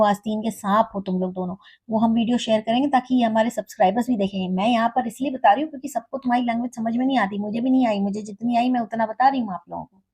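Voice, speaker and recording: A young woman talks over a reaction video in a high, husky voice, mocking and scolding the people she watches. Her tone is soft and mellow rather than bright. Now and then she slips into English. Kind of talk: sarcastic reaction commentary.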